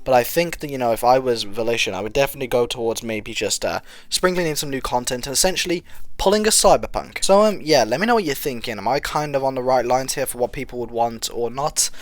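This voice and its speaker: Young male gaming vlogger, congested from a cold, earnest and rambling, mid-pitched, dry close sound. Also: quick pace, no room sound. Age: young adult. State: stuffy from a cold. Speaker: gaming channel host. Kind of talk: casual opinion vlog.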